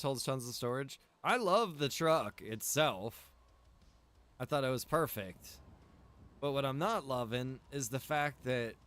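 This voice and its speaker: A man's voice: mid-range voice, fairly bright tone. A man giving casual, rambling livestream commentary while gaming, repeating phrases for emphasis. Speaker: game streamer and roleplay server co-owner.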